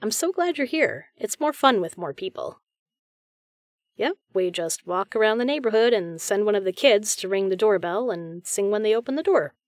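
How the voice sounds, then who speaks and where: A voice actor plays a friendly, reassuring female caroler in a one-sided roleplay audio conversation, cheerful and chatty. Her mid-range voice is close to an everyday one, with lively intonation at a moderate pace. The sound is studio quality, with no echo.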